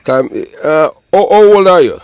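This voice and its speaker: A man's voice: on the high side, lively intonation, moderate pace, a little mellow, smooth, dry recording, clean studio sound. A man in his fifties with a Jamaican accent hosts a casual talk, speaking in an emphatic, repetitive way and checking that he is understood. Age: 50s. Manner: repetitive, emphatic, asks for confirmation. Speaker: online show host. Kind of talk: casual phone conversation and commentary.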